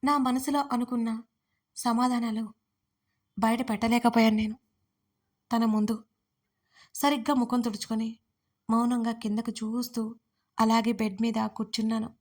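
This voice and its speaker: A young woman narrating a first-person story in an expressive, emotional reading. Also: fairly high pitch, moderate pace, long pauses.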